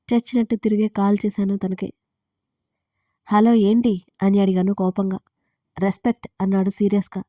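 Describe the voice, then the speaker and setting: A woman narrates a first-person romance tale in a soft, mellow voice. The recording is dry and close, with no room around her. She voices the other characters' lines herself, without changing into a new voice. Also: medium pitch, no echo. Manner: reads all parts in her own voice, lively on quoted lines. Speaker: storyteller.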